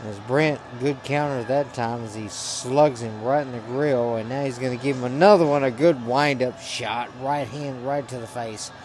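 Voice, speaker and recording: Male play-by-play caller, medium pitch, game wrestling commentary, builds excitement on big spots. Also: moderate pace, few pauses. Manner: excitable, rises to shouting on big moves.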